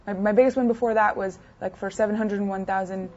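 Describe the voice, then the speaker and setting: A woman's voice: medium pitch, fairly even intonation, quick pace, a little mellow. A young woman in her twenties, raised in the United States and France, answering interview questions in a chatty way with many fillers and restarts. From United States, partly raised in France. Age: 20s. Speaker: interview guest, poker player. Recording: dull lo-fi sound.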